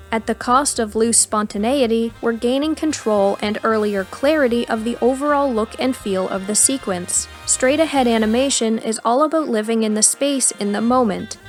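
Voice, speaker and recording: Higher-pitched woman narrating over music. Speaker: narrator of an animation tutorial. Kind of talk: scripted educational narration. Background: background music.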